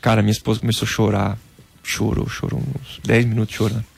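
This Brazilian man, once a footballer, talks animatedly about his faith in a casual interview, often saying "cara." His voice is lowish, creaky and a bit breathy, and he speaks quickly.

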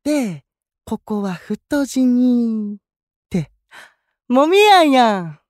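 A man playing a gentle, candid young male idol with a Kansai accent in an anime-style audio drama, soft-spoken and considerate. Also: very high-pitched, very animated, drawn-out words, dry recording, clean studio sound, full character voice. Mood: friendly, curious.

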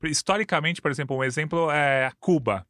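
A man in his thirties with a Brazilian Portuguese accent, talking sports in a casual chat, quick and full of stats. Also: a little high, bright, forceful tone, no echo, studio quality. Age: 30s. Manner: quick, detailed stats-heavy talk. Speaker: sports commentator.

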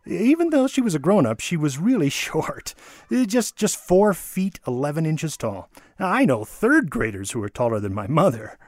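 A man giving a theatrical, expressive dramatic reading of a childhood holiday memoir, with wonder and deliberate pauses. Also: on the high side, no echo, studio quality. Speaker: storyteller. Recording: music under the voice. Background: music.

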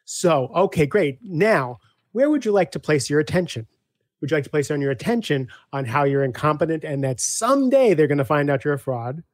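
A man speaking as a guest coach in a casual interview, animated, acting out back-and-forth dialogues with clients. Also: fairly high pitch, brisk, dry recording, clean studio sound.

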